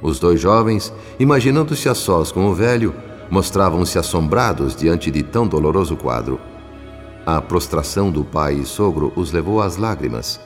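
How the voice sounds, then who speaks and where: A man's voice: low-pitched, animated, normal speed. A man playing a solemn spirit narrator, reading formal scripted radio drama narration. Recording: long reverb, music underneath. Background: music.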